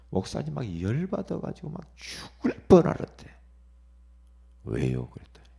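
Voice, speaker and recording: Gravelly pastor swinging from whisper to shout. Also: male voice, on the low side. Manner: asks the congregation "예?" for response. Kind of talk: dawn prayer sermon.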